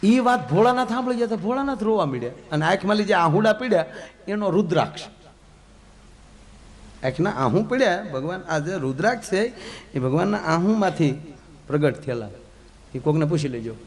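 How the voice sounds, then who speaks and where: A man tells comic devotional folk stories in a high, lively voice. He chants, teases the audience and acts out the quotes. His delivery stays animated throughout. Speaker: folk storyteller and comedian.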